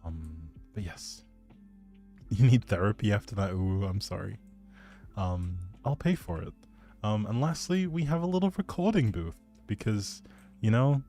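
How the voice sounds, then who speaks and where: A man's voice: on the low side, dark tone. A man chatting casually as a livestream host, showing off a game build in a playful, self-deprecating, rambling way. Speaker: streamer, host.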